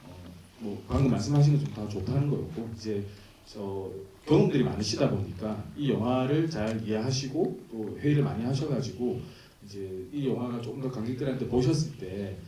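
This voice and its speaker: A man, the director, answers audience questions and gives polite thanks. His tone is mellow. He sounds distant in an echoing cinema, with faint noise. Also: fairly low pitch, a little fast. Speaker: film director at a Q&A. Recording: echoey cinema hall from far off.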